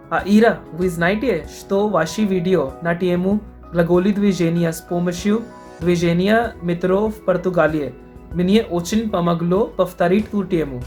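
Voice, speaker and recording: A man from India with an Indian accent, a guest answering interview questions carefully in a language he has learned. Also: sits high. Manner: careful, thoughtful, a little formal. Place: online call.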